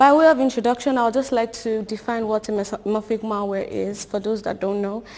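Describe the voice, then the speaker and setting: A woman speaks at a fairly quick pace with a fairly high pitch and fairly even intonation. She has an unremarkable speaking voice. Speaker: researcher; conference presenter. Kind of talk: conference talk. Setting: lecture room with audience. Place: classroom.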